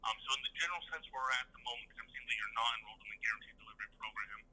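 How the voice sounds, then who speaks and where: A man's voice: medium pitch, very fast, very noisy. A man working as a customer support agent on a phone call, sounding distant through a speakerphone and hedging with many ums.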